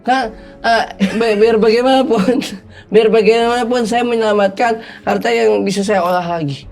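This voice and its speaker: A man's voice: high voice, fairly even intonation, moderate pace, vocal fry, soft background music. A man in a comic debate, protesting in a mock-serious, insistent, repetitive way. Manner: protesting, insistent, repeats himself. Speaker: comic panel guest playing a flood victim.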